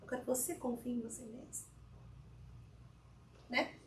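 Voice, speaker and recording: High-voiced woman in an echoey hall. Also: unhurried, slight background noise. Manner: chatty, often asks the audience "né?". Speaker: guest speaker at a spiritist fellowship. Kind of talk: informal spiritual talk to an audience. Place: lecture hall with a live audience. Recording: echoey hall, mic at a distance.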